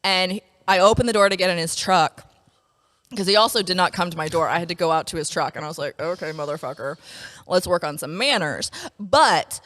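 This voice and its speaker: A woman's voice: lowish voice, brisk, a bit bright, long reverb tail. A woman in her forties hosting a podcast, talking in a blunt, profane, storytelling way during a casual chat. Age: 40s. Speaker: podcast host.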